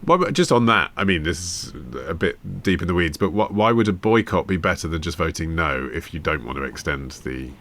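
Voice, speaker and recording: A man hosts a news discussion with a fairly low voice that swings widely in pitch. He is conversational and inquisitive, probing with his questions. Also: expressive, a little fast, hardly any pauses, fairly bright tone, a little hiss or hum. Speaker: host.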